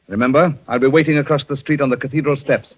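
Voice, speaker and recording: A man's voice: medium pitch, steady tone, quick pace, natural voice. A man playing a cold, scheming husband in a 1940s radio drama, giving clipped, menacing orders on a dull old broadcast recording. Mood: cold menace.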